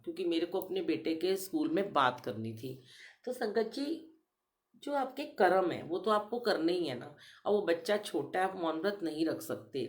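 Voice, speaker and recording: A middle-aged woman giving a gentle devotional talk to her congregation, telling personal stories. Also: low-pitched. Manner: gentle storytelling, addresses listeners as "sangat ji". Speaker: spiritual speaker addressing congregation.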